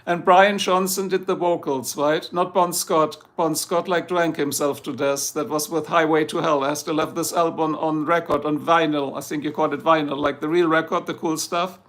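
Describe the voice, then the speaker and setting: A middle-aged man from Germany with a German accent, hosting a livestream in a joking, rambling chat with viewers, hoarse and losing his voice. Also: on the high side, fairly even intonation, normal speed, hardly any pauses, a bit bright. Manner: joking, chatty, reads out viewer comments. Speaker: livestream host.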